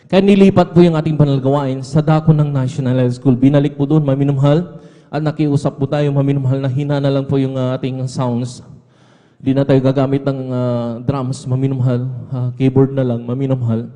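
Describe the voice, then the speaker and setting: Fast-talking man giving his testimony at a church pulpit, keeps repeating a fond address to the crowd, big echoey hall. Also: medium pitch, little pitch movement, warm tone. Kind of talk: testimony at a prayer service. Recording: echoey hall with long reverb.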